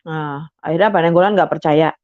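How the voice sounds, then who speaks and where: A woman's voice: low voice, fairly quick, no echo, narrow, tinny audio. An older woman telling her life story as a guest, chatty, with many fillers, acting out the dialogue she remembers. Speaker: guest giving a conversion testimony. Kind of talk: personal testimony storytelling.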